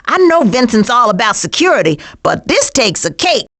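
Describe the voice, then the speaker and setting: A woman's voice: a little high, big pitch swings, normal speed, a bit bright. A woman playing a sassy, wisecracking, streetwise female cartoon skunk in a video game, with an American accent and sarcastic, slangy delivery. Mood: wary, sarcastic. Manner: sarcastic, slangy, punchy one-liners. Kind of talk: video game character voice lines.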